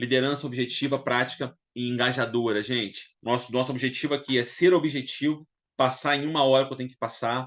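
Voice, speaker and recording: A man with a Rio de Janeiro accent, fairly even intonation, hardly any pauses and big swings in loudness, over a quiet background. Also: medium pitch for a man, fairly quick pace. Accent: Carioca (Rio de Janeiro) Brazilian Portuguese. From Brazil, Rio de Janeiro. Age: 40s. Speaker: leadership trainer. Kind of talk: online workshop presentation. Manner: casual, conversational.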